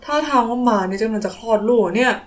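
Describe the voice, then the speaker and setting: A woman's voice: on the high side, fast, pitched below the performer's own voice, natural voice. A woman voicing a sleepy, puzzled father who grumbles and exclaims in a children's toy story. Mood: startled. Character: sleepy, startled father roused from his nap.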